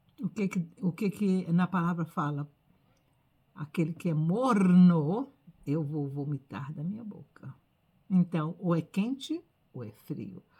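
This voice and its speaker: In a dark, mellow, somewhat breathy voice, the speaker goes at a very slow pace with lively intonation and long, frequent pauses. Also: woman, fairly low pitch for a woman, big swings in loudness. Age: 70s. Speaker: Bible teacher. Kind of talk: Bible study talk. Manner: conversational, emphatic.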